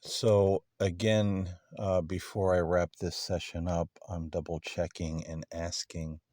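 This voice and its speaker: A man hosting a paranormal session, putting questions to unseen beings in a halting, deliberate way with long pauses. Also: low-pitched, level tone, a little mellow, no echo, studio quality. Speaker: host of a paranormal contact session.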